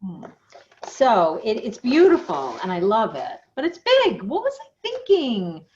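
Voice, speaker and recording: A woman's voice: on the high side, huge pitch swings, unhurried, darkish tone. Middle-aged woman co-host, casual and chatty, dull recording with light noise. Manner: chatty, giggly. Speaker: flosstube co-host. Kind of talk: casual chat. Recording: dull lo-fi sound with faint noise.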